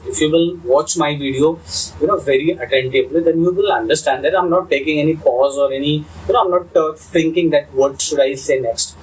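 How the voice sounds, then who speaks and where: A young man with an Indian accent telling his own story unscripted as host of his channel, halting with many fillers and restarts. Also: a little high. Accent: Indian English. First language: Hindi. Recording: distant mic with faint ambient noise.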